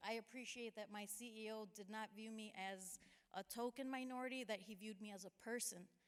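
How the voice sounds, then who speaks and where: Flat and monotone, a woman with an American accent speaks at a fairly high pitch. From Chicago, US Midwest. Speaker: audience member, finance executive. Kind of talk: audience comment at panel.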